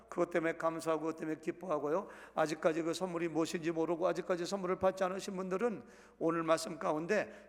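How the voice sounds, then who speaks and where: Man, pastor, Sunday sermon, slightly high voice, gravelly edge, conversational, asks the congregation questions, long church reverb. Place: church sanctuary.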